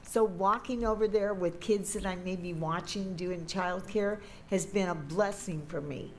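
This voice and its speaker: A woman's voice: on the low side, gravelly, a little hiss or hum, poor audio. An older woman neighbor giving a plain-spoken, rambling public comment at a school board meeting, often correcting herself.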